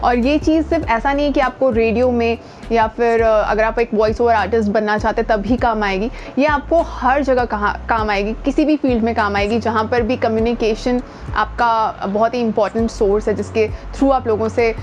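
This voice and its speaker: A woman's voice: on the high side, moderate pace, soft background music. An Indian woman giving an informal lesson as a voice coach, speaking conversationally and emphatically, with English words mixed in. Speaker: voice coach and video host. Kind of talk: informal instructional talk to camera. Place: outdoors near the speaker's home.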